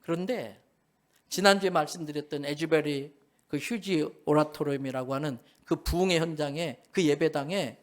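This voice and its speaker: A middle-aged man preaching from the pulpit, his voice sitting high for a man. He drives his points home with emphasis and slips into little acted-out voices for the people in his stories. The delivery has the steady push of a Sunday sermon. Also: moderate pace. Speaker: pastor.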